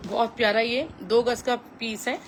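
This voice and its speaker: A woman with a Pakistani accent giving a chatty, repetitive live sales pitch as a clothing seller, mixing in English phrases. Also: steady tone, unhurried, a little hiss or hum, low-quality recording.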